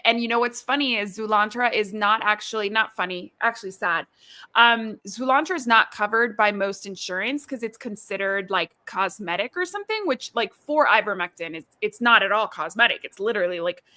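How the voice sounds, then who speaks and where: A woman's voice: medium pitch, sharp tone. A middle-aged woman from Ecuador, chatting casually over a video call on a live stream and filling her talk with asides. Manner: chatty, many fillers and asides. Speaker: podcast host.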